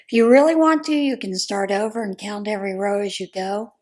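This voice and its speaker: A hoarse American woman chatting casually in a crochet vlog, rambling a little with frequent ums. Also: medium pitch, brisk, darkish tone. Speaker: crochet vlogger. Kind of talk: casual chat.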